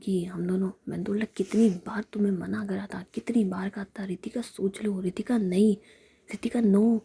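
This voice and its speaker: A woman puts on a bossy young boss lady who keeps begging, whispered role-play, dark breathy gravelly whisper. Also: mid-range voice, fairly even intonation, normal speed. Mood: teasing.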